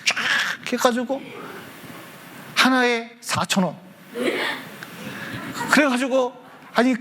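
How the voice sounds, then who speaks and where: Male pastor, high voice, children's sermon, lively call-and-response with kids. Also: slight background noise. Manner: lively, asks the children questions. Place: church hall.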